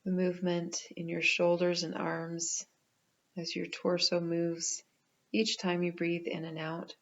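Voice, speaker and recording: A woman guides a meditation in a lowish, very even voice. She speaks gently and very slowly, leaving pauses between phrases. The recording sounds slightly muffled and lo-fi.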